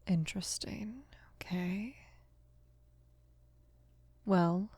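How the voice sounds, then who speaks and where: A woman of about twenty playing a mafia boss's protective, casual daughter in an intimate ASMR roleplay, speaking softly and unhurriedly, often slipping into a whisper. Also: dry recording, heavily acted. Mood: gentle, concerned. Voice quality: soft, breathy whispering mixed with low murmur. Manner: hesitant, unhurried, casual with small pauses. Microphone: close microphone, dry.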